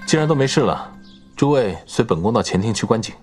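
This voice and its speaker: An actor playing a commanding young crown prince in a period drama, calm and authoritative, with soundtrack music behind. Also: male voice, medium pitch, fast talker, lightly acted. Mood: composed.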